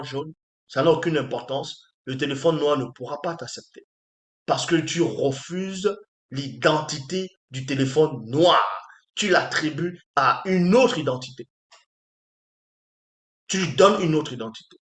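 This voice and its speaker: A man's voice: fairly high pitch, a bit bright. Emphatic preaching man, roomy echo. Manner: emphatic, repetitive, challenges listeners with rhetorical questions. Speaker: spiritual teacher. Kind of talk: preaching monologue.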